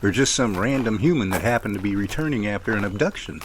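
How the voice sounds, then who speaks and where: Guy acting as a doubtful sidekick in an audio drama, pitch goes up and down a lot, bit of background noise. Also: animated, quick pace, natural voice. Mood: puzzled, questioning. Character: skeptical, wry male sidekick on Bigfoot investigations. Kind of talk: amateur audio drama dialogue.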